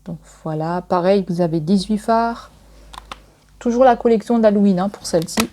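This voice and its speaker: Woman vlogger, mid pitch, warm mellow tone, chatty, easygoing haul talk. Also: steady tone, moderate pace. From France. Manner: chatty, frequent "hein" and "donc voilà" fillers. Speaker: beauty vlogger. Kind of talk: casual makeup haul chat.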